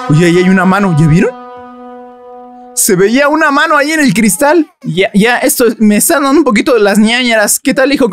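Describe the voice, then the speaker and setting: A man narrates his game session in a playful, joking way, his voice swinging widely between low and squeaky high. Faint game music sits in the background. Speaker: gaming youtuber. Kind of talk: let's play commentary.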